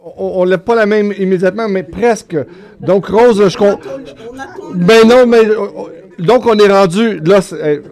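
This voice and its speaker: Moderator, male, high voice, halting delivery with many fillers. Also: darkish tone. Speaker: debate moderator. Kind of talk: moderating a debate.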